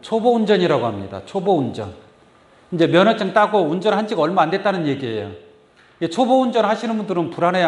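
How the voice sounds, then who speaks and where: Male pastor, sermon delivery, questions to the flock, lively pitch, roomy church sound. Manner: asks the congregation many questions. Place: church sanctuary. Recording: echoey church room. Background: congregation saying amen.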